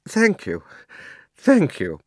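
Storybook old uncle, played by a male reader: frail, flustered, faint, raised pitch, dry sound. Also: wildly swooping pitch, slow pace, a little mellow, breathy edge, no echo, heavily acted. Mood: shaken, feeble. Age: older. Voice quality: faint, shaky. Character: shaken, feeble old gentleman uncle.

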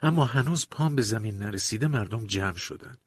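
A man narrating a first-person audiobook in a measured, confessional, colloquial manner, recorded close to a studio mic. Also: on the low side, lively intonation, breathy edge, no room sound.

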